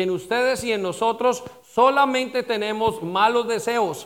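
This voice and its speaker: A man at an extremely high pitch, fairly slow in pace, with ordinary pitch variation. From Colombia. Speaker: pastor. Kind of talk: sermon. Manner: halting, many fillers.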